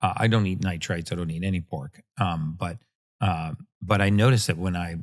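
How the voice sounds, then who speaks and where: Man, very deep voice, hesitant host, many fillers. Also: normal speed. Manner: hesitant, lots of fillers and murmured agreement. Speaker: interview host. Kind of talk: conversational interview.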